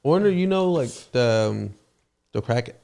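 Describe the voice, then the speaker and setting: A man hosting a podcast in relaxed, casual chat, laughing often. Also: medium pitch, moderate pace, creaky. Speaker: podcast host.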